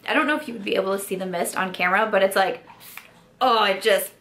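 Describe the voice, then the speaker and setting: A young woman talks through a casual beauty review, frank and full of fillers. Her voice is strained from a sore throat she keeps mentioning. She sits at an ordinary middle pitch. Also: quick pace, gravelly, fairly bright tone. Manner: chatty, frank, filler-heavy with likes. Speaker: beauty vlogger.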